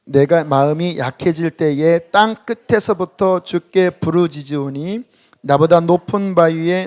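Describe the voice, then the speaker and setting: High-voiced Korean pastor preaching. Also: male voice, clean tone. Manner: shifts between loud exhortation and hushed, whispered examples; leads the congregation in reading scripture aloud. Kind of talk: sermon. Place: church worship service.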